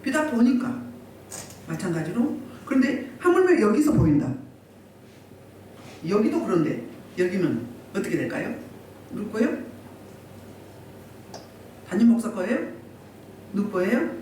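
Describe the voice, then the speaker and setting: A woman's voice: medium pitch, very animated, unhurried, long pauses, mellow, slight background noise. A woman pastor preaching a Sunday sermon and pressing the congregation with repeated rhetorical questions. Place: church sanctuary. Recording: echoey room from far off.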